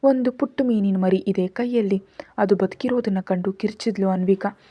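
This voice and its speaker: A woman's voice: medium pitch, fairly even intonation, moderate pace, no echo, highs cut off. A woman reading a romantic family story aloud as a storyteller, voicing the characters' lines in her own narrating voice.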